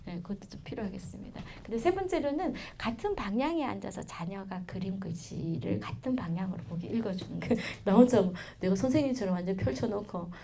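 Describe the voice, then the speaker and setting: Middle-aged woman lecturer, regional korean accent, mellow voice, chatty storytelling, faint hiss behind. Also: mid-range voice, fairly quick, creaky, few pauses. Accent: Korean regional dialect. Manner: chatty, lively storytelling with sudden loud bursts and soft asides. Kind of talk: parenting lecture.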